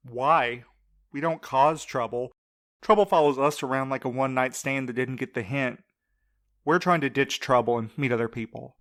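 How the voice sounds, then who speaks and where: A man's voice: medium pitch, fairly even intonation, moderate pace, a bit bright, close to an everyday voice. A man playing a wry, sardonic mail courier in an audio drama, with a dry, wordy, sarcastic delivery.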